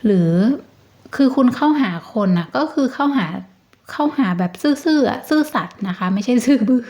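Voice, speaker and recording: A woman giving a casual tarot reading, talking in a gentle, chatty and reassuring way. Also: high voice, expressive, moderate pace, lo-fi sound. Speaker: tarot reader.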